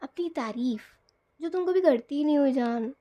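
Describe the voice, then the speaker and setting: A teasing young husband, newly married, pestering his wife to say how he looks, as a woman puts him on. He talks softly and low in a wheedling tone, fishing for praise, pitched high for a man. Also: animated, normal speed.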